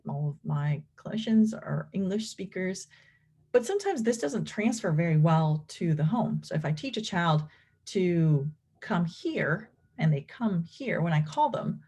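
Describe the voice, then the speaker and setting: Low, husky woman lecturing. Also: big pitch swings, unhurried, dark tone. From Venezuela. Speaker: clinical professor and behavior analyst presenting research. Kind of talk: explanatory academic lecture.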